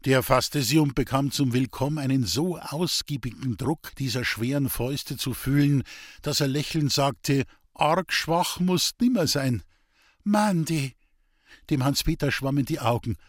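Man, audiobook narrator, steady measured reading, mid-range pitch, dry close sound. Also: no echo. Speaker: audiobook reader.

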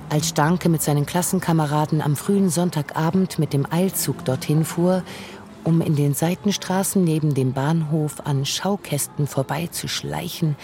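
A man narrating a literary radio play in a measured, calm way. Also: on the high side.

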